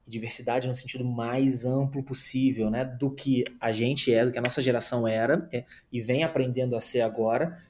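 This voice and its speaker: A man at a medium pitch, with monotone, flat intonation and a moderate pace. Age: 40s. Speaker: marketing and communications professional. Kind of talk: casual interview chat.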